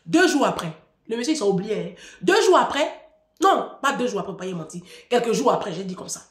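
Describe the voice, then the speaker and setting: A woman's voice: mid-range voice, a little fast, roomy sound. A woman in her thirties telling a personal story as relationship advice, emphatic and speaking straight to her listeners. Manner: lively, emphatic, addresses listeners directly.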